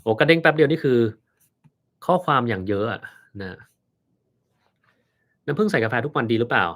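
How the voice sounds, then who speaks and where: A man's voice: mid-range voice, animated, moderate pace, a bit bright. A man, a doctor, reading out viewer questions on a live stream and answering them bluntly, with a dry sense of humor.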